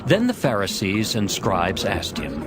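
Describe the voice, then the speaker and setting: A man narrating a dramatized scripture reading in a measured, formal manner. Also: lowish voice, huge pitch swings. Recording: music under the voice.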